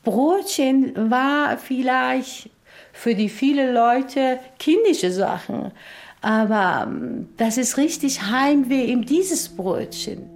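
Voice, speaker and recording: A non-native woman shares a personal reflection, unscripted. Her voice is high and she takes her time over the words. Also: expressive, takes it slowly, darkish tone. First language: not German.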